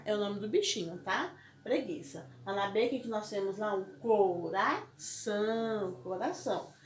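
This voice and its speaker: A woman's voice: medium pitch, lively intonation, fairly quick. A Brazilian woman teaching a primary school lesson, speaking patiently and checking in with the children often. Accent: Brazilian Portuguese. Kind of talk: recorded classroom lesson. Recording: echoey room.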